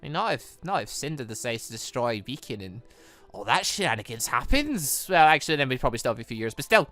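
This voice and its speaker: A let's player giving excited, rambling commentary on a game while reading its dialogue aloud. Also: mid-range voice, fast talker, soft background music. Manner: rambling, animated, exclaiming.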